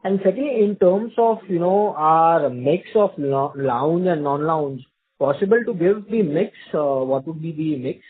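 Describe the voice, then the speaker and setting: Man, financial analyst, wordy questioning, slightly high clear voice, narrow telephone audio. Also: unhurried. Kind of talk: questioning on an earnings call. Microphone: phone. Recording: thin, narrow phone line.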